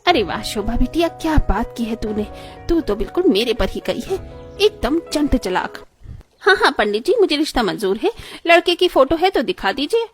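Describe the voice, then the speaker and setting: A woman's voice: high voice, sing-song, moderate pace, soft background music. Woman voicing a sly scheming stepmother. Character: scheming middle-aged stepmother, sly and pushy.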